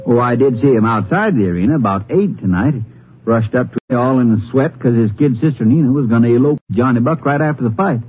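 An actor playing a folksy, plain-spoken Texas sheriff in 1950s American radio drama, talking in clipped, informal phrases. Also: male voice, mid-range voice, fast, husky, close to an everyday voice. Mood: matter-of-fact. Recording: dull, noisy vintage radio recording.

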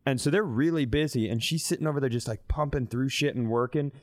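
A man's voice: medium pitch, fast. A man in his mid-thirties co-hosting a comedy podcast, telling casual, blunt stories with swearing and acted-out quotes. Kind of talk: animated casual comic storytelling.

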